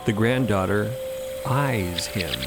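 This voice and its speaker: A man's voice: fairly low pitch, takes it slowly, noisy background. A man narrating a scripted story in a theatrical, descriptive style, over music. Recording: loud music bed under the voice.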